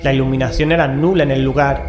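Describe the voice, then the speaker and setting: An actor playing an assured, sceptical investigator with a Castilian Spanish accent in an audio horror drama. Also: male voice, medium pitch, fairly even intonation, fast talker, natural voice. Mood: atmospheric. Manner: assured, matter-of-fact. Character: composed, rational male investigator, sceptical and curious. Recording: echoey, music underneath.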